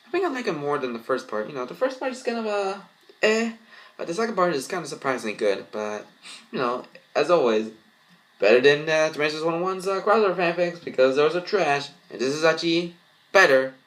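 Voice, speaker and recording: A man's voice: on the high side, very animated, a little fast, a bit bright. A man reading a story aloud and commenting on it, often stumbling over words and rereading them. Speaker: fan fiction reader.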